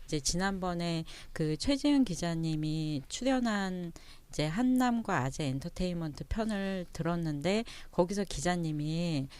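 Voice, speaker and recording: A woman guest on a podcast, talking in a measured, reflective way. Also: lowish voice, animated, darkish tone, clean tone. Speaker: guest writer. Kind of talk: thoughtful discussion.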